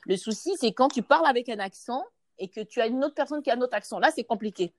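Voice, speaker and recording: A woman's voice: a little high, fast, no room sound, studio quality. A woman with an Ivorian French accent, a guest actress in a casual interview, telling stories and slipping into other voices and accents. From Côte d'Ivoire. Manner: lively storyteller, imitates accents and voices.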